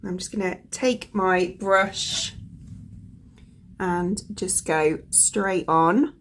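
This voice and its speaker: A woman with a croaky voice from a cold, chatting casually as a beauty vlogger, rambling with lots of fillers. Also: on the low side, very slow. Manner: rambling, full of fillers like "like" and "you know". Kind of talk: chatty product review.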